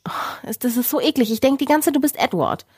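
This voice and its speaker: Brief: female co-host, casual banter, filler-heavy, animated pitch. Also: fast talker, breathy edge. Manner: teasing, chatty, full of fillers. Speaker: podcast co-host. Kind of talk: casual chat.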